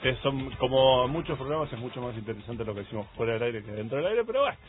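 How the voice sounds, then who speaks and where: A man with an Argentine accent co-hosting a radio tech show, explaining things in a relaxed way and often agreeing. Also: medium pitch, fast talker. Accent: Argentine Spanish. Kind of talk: casual radio chat. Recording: phone-like radio broadcast.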